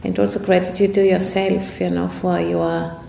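Woman, meditation teacher, lowish pitch, flat intonation, unhurried and reflective, roomy echo, faint background noise. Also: vocal fry. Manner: unhurried and reflective, with long pauses. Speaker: Buddhist nun and meditation teacher. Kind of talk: guided meditation talk. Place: indoor room at a retreat center.

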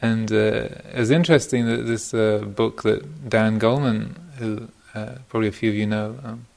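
Gravelly, low-voiced male meditation teacher. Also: fairly even intonation, darkish tone. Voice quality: gravelly, creaky voice. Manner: hesitant, thoughtful, pausing mid-phrase. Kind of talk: informal dharma talk to a retreat group. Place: meditation retreat center.

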